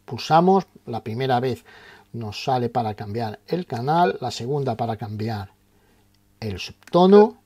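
A man's voice: mid-range voice, animated, a little slow, mellow, husky. A man from presenting a step-by-step tutorial in a didactic way, posing questions and answering them. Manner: didactic, explains terms and poses questions then answers them. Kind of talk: step-by-step instructional narration.

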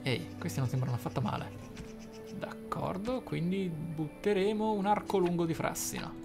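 This let's play host has a high, gravelly voice and speaks at a normal speed. He comments on a role-playing game with game music in the background, mulling things over and adding theatrical outbursts.

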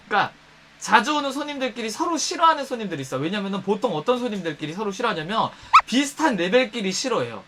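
A man tells a comic tale about his bar days, his pitch leaping up and down as he acts out each customer. His tone is bright and forward. A faint hiss of background noise sits under the voice. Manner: lively, acts out dialogue with swings of pitch, casual and crude. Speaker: comedian telling a bar story. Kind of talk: storytelling monologue acting out bar customers.

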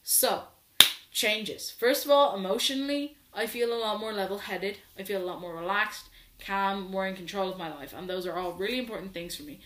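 A sixteen-year-old trans man vlogs a casual update to his laptop camera from a small, echoey bedroom, talking candidly with lots of fillers. His voice is high and a bit bright, at normal speed.

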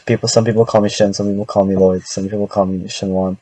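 A man's voice: fairly low pitch, flat delivery, fast, warm tone, no room sound, rough recording. A teenage boy from South Korea giving a casual presentation over a video call from his bedroom, talking in a hesitant, chatty way and often restarting his sentences. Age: teens. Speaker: student presenter. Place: bedroom at home. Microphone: webcam on video call.

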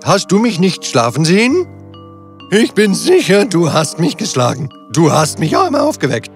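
A man voicing a grumpy, quarrelsome, slow-witted giant in a children's fairy tale, blustering and argumentative. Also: high voice, wildly swooping pitch, pitched above the performer's own voice, exaggerated voice. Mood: annoyed, accusing. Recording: music behind the voice.

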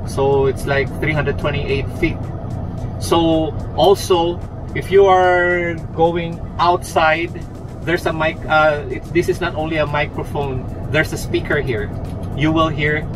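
Middle-aged male vlogger, slightly high voice, unhurried delivery, halting and repetitive product demo in a truck cab, faint music. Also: poor audio. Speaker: truck driver and product reviewer. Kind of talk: casual product review vlog to camera.

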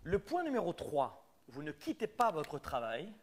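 Man, French accent, middle-aged, business coach, emphatic and repetitive, slightly high voice. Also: huge pitch swings, normal speed, slightly rough. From France. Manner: emphatic, repeats key points. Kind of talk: live coaching talk. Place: Quebec.

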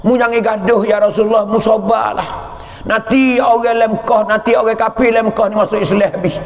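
A man's voice: sits high, steady tone, brisk, voice pushed up. A man with a Pattani Malay accent voicing a dying wife who pleads tearfully in a sermon story. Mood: pleading, tearful. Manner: tearful, repeated pleading address. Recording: echoey hall, dull lo-fi sound.

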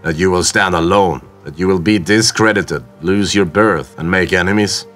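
A man's voice: low-pitched, fairly bright tone, faint music behind. A man playing a stern, calculating ship's captain. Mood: measured. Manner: controlled, measured, authoritative.

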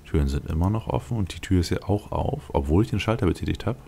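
A man's voice: low voice, expressive, fast talker, vocal fry, warm tone, slight background noise. A man giving casual gameplay commentary, musing aloud to himself as he plays. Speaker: let's play host.

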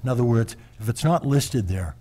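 A man's voice: mid-range voice, expressive, moderate pace, warm tone, a little hiss or hum. A man explaining findings formally as a board member at a public meeting in a small room.

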